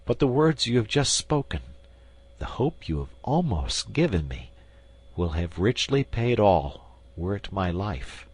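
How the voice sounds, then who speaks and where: A man's voice: lowish voice, big pitch swings, measured pace, slightly rough, exaggerated voice. A man reading an audiobook, voicing a passionate, reckless nobleman with fervent delivery.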